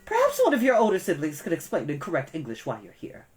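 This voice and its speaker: A woman's voice: deep voice, wildly swooping pitch, fast, a little mellow, pitched above the performer's own voice. A woman voicing a fearful, fussy older aunt in a children's storybook, whining and scolding in a pedantic way. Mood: stern. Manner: whining, grammar-pedantic, stern.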